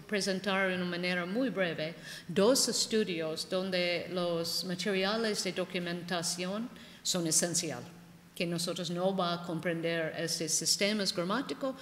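A woman's voice: lowish voice, fairly bright tone. Older woman with an English accent, echoey hall. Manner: halting, frequent "ah" and "ok", gestures widely. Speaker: linguist giving a conference talk. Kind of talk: academic lecture. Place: large ornate conference hall. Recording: echoey hall with long reverb.

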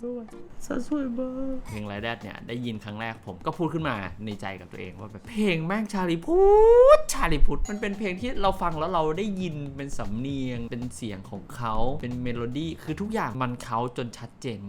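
Brief: male reaction host, gushing and squealy, very animated pitch, a song playing clearly underneath. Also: fairly quick, hardly any pauses, faint music behind. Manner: gushing, with squealing exclamations and frequent laughter. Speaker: video host reacting to a music video. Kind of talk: excited casual reaction commentary. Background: song playing from the video being reacted to.

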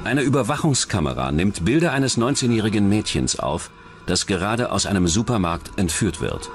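A man's voice: fairly low pitch, sing-song, normal speed. A man reading scripted true-crime documentary narration as the narrator. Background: background music.

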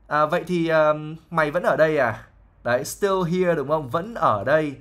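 A man's voice: fairly high pitch, normal speed, a bit bright. A man, an English teacher patiently explaining a novel line by line, with fillers and frequent checks for understanding.

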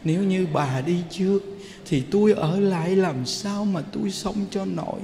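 A man's voice: high voice, normal speed, gravelly, dark tone, a little hiss or hum. A man with a Southern Vietnamese accent voicing an old husband who talks sadly to his wife about which of them will die first. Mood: tender, mournful. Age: older. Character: elderly husband grieving ahead of time. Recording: long hall reverb.

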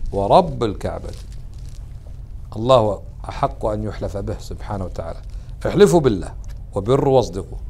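Questioning sheikh teaching a class. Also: male voice, mid-range voice, a little mellow. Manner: questions the audience often, then answers himself; mixes colloquial Gulf words into formal speech. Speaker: sheikh teaching a religious lesson. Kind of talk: interactive religious lesson.

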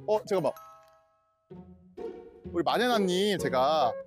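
A man in his thirties chatting casually as a vlog host outdoors, playful and excitable, teasing his companion. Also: sits high, takes it slowly, over music. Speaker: YouTuber hosting a live outing. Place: outdoors at a folk village.

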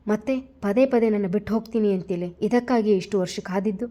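A woman's voice: medium pitch, fairly quick, warm tone, lightly acted. A woman voicing a protective young lover. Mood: tender. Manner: tender but flaring into anger. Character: devoted young man, protective and hot-tempered lover.

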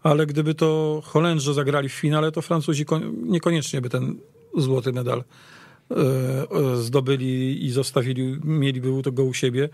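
A man in a casual sports discussion as a panelist, halting and repeating words mid-sentence, recorded in a radio studio. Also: medium pitch, flat delivery, a little mellow, no echo. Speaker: football podcast panelist.

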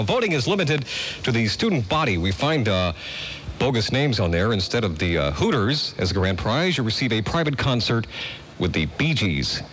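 A man's voice: mid-range voice, a bit bright. A young man announcing as a wry, irreverent 1980s pop radio DJ, close on a studio microphone. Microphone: close studio broadcast microphone.

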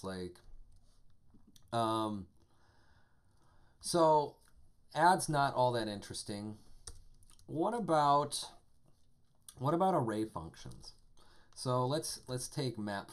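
A man teaching a live-streamed programming lesson, talking casually and enthusiastically with lots of fillers as he types code. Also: medium pitch. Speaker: programming instructor.

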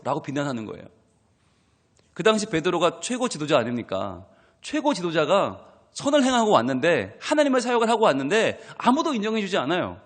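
A man preaches at an early-morning church service, his fairly high voice swinging up and down as he acts out scolding voices. His words ring through a church sanctuary with a long reverb tail. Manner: lively and animated, mimics scolding voices. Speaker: pastor. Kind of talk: sermon at a dawn prayer service.

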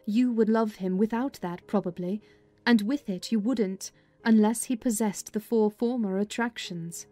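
A woman's voice: medium pitch, a little slow, mellow, close to an everyday voice. A woman voicing a sensible, skeptical servant woman in a dramatized audiobook, practical and chiding. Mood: dry, questioning. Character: sensible, skeptical servant woman advising her young mistress. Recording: music under the voice.

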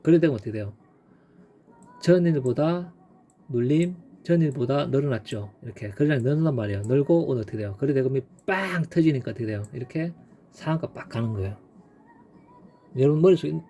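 A man's voice: mid-range voice, lively intonation, quick pace, mellow, slight background noise. A man teaching stock chart trading in a casual, emphatic way, repeating key points and punctuating them with sound effects. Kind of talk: casual screen-share chart lesson.

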